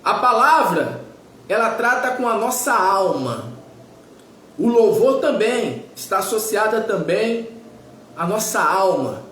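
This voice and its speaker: A man's voice: sits high, sing-song, slow pace, a bit bright, reverberant, slight background noise. A man in his forties preaching a sermon as pastor, emphatic and repetitive, firing off rhetorical questions. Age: 40s.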